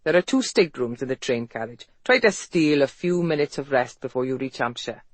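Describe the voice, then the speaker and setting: A narrator voicing a dry, amused Welsh businessman with a Welsh accent, speaking low and frankly. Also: expressive, fairly quick, no room sound, natural voice.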